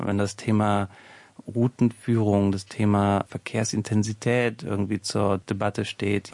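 A man, a sociologist, speaking as a studio interview guest, measured and explanatory, thinking aloud as he goes. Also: fairly low pitch, vocal fry, a little mellow, dry recording. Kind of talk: expert radio interview.

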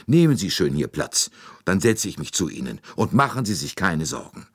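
A man's voice: low-pitched, big pitch swings, moderate pace, husky, dry recording, clean studio sound, full character voice. A man voicing a motherly, fussing older American woman who soothes and chatters. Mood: soothing.

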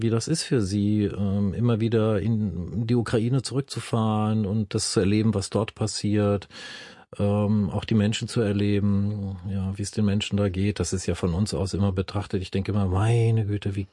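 A man with a low, slightly husky voice interviews a guest in a studio, asking friendly, probing questions. His sound is dry and close-miked. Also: level tone, moderate pace, mellow, no echo. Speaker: radio interviewer host. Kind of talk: interview conversation.

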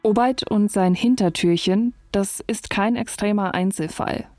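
A woman journalist narrating a documentary report in a calm, measured, scripted way. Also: medium pitch, no room sound, clean studio sound. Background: faint music.

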